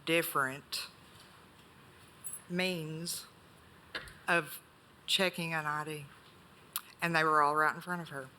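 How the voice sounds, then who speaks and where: A woman's voice: low-pitched, fairly even intonation, a little slow, bright, forceful tone, slight background noise. A woman who owns a business, answering a board's questions in curt, defensive replies. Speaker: business owner at a hearing. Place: county board meeting room.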